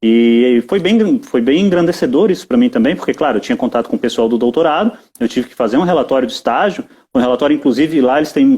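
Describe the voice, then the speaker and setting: Fast-talking Brazilian man. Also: mid-range voice, a little mellow. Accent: Brazilian Portuguese. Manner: hesitant, repeats words. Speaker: guest. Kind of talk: casual live chat.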